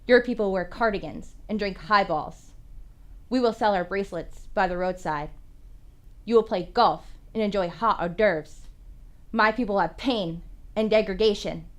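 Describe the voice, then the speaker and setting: A woman's voice: medium pitch, moderate pace, natural voice. A woman performing a dramatic monologue as a defiant, vengeful tribal girl, declamatory and accusing. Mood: indignant, defiant. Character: defiant, vengeful Native girl confronting the pilgrims.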